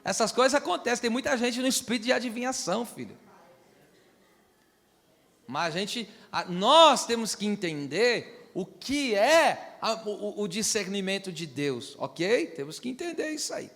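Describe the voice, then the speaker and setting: A man's voice: sits high, sing-song, moderate pace, gravelly, fairly bright tone, in a large hall. A man preaching a sermon as pastor, teaching and asking the congregation to repeat after him. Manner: teaching, asks the church to repeat phrases and check understanding. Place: church hall.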